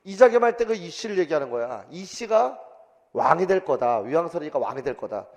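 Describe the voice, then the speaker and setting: A man teaching an exam-prep history lecture in a lively, colloquial way, full of asides and rough everyday speech. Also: fairly high pitch, a little fast, in a large hall. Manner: lively, colloquial, acts out quotes with swearing.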